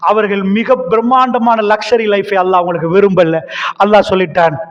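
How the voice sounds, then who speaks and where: A man preaching an impassioned sermon, telling stories with rising fervor that builds to loud cries. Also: high-pitched, fairly even intonation, fairly quick. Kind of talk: Islamic sermon. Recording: reverberant hall sound, muffled lo-fi.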